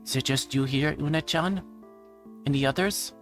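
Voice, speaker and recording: Man putting on a polite, higher-pitched young girl. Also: moderate pace, fairly bright tone, soft background music. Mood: polite, earnest.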